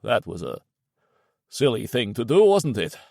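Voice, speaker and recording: A man voicing a grim white-haired older man who speaks quietly and without life in a dull, hollow tone. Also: medium pitch, very animated, measured pace, vocal fry, no echo, studio quality, exaggerated voice. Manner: dull, lifeless, quiet delivery.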